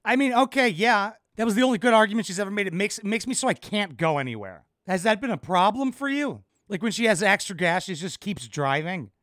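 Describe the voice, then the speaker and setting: A man's voice: sits high, big pitch swings, brisk, few pauses, fairly bright tone, no echo, soft background music. A man hosting a podcast, sarcastically mocking and cursing at a reality TV clip in casual commentary. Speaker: podcast host reacting to a TV clip.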